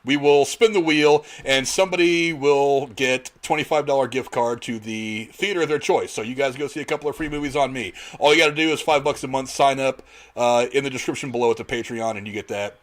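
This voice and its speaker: Guy hosting a casual panel show, talks really fast, chatty, normal pitch. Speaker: podcast host.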